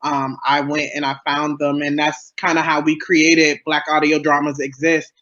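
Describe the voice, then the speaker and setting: A woman's voice: sits low, little pitch movement, normal speed, fairly bright tone. Female panelist, casual conversational delivery, dull video-call sound. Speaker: panelist, audio drama creator.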